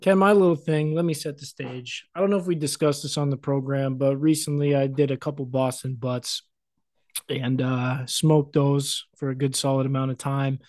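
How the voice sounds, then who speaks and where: A man's voice: mid-range voice, fairly even intonation, moderate pace, a little mellow, no echo, clean studio sound. A man co-hosting a podcast in casual chat, joking and laughing often. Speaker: podcast co-host.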